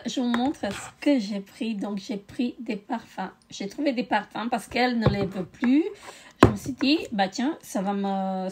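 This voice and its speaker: Chatting through a beauty haul, a weary middle-aged woman vlogger speaks hesitantly, filling pauses with "euh" again and again. She has a mid-range voice, and background noise is audible.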